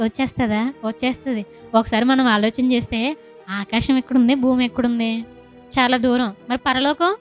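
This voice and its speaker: Telugu-accented woman preaching a sermon. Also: a little high. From South India. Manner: storytelling with rhetorical questions and acted-out voices.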